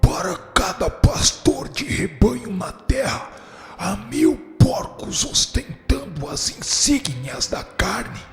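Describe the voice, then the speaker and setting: Radio drama role: a man as scornful spirit judge, raised gravelly voice, slow pompous declamation. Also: high-pitched, sing-song, full character voice. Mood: scornful, forceful. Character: haughty male dark spirit, judge of the guilty. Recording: echoey hall reverb with music behind.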